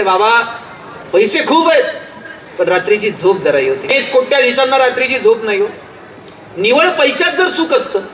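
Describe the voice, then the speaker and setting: A man's voice: very high-pitched, background noise. A man with a Marathi accent giving a public speech to a live audience, telling humorous anecdotes in an emphatic storytelling manner. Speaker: motivational speaker. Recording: roomy hall, distant mic, faint crowd.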